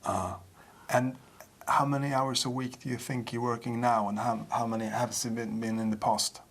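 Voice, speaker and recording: A man's voice: mid-range voice, steady tone, moderate pace, fairly bright tone. A man interviewing a guest, asking questions and giving short prompts. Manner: brief prompts and backchannels.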